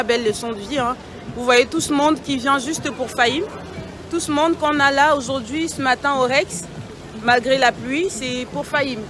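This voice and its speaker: Upbeat woman vlogger, high voice, crowd. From Gers, France. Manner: upbeat, encouraging, chatty. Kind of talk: casual vlog address to viewers. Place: outside a cinema at a premiere, crowd around. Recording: crowd noise behind.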